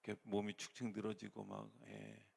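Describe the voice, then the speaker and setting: Middle-aged male pastor, gravelly and husky, preaching in a big reverberant church. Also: lowish voice, brisk. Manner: animated preaching, swings between raised voice and near-whisper. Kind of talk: sermon. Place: church sanctuary.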